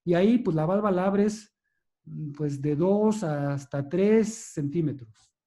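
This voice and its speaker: A neurosurgeon with a slightly high, dark-toned voice gives a measured, explanatory lecture and answers questions. He hesitates and restarts as he goes.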